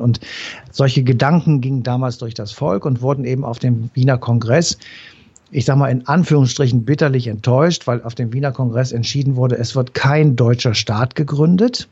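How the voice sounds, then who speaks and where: A man's voice: medium pitch, darkish tone, slightly rough, muffled recording. A man explaining history in a conversation, patient and step by step, with many fillers. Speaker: history expert guest.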